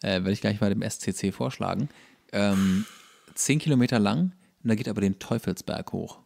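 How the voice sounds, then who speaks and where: Gravelly low-voiced man in casual chat. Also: normal speed, a little mellow. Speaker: podcast co-host. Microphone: studio microphone.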